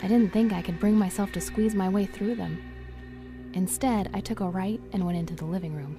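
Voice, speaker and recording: Actress as horror-story heroine, numb with dread, gravelly edge, music underneath. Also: female voice, medium pitch, a little fast, close to an everyday voice. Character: dazed, horror-struck woman narrating a fungal nightmare. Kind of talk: first-person horror audio drama narration.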